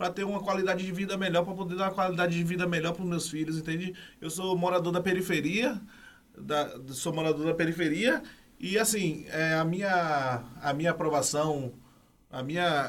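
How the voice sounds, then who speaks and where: This man talks at a fairly quick pace, his voice pitched high. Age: 30s. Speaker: university student and activist. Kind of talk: podcast discussion.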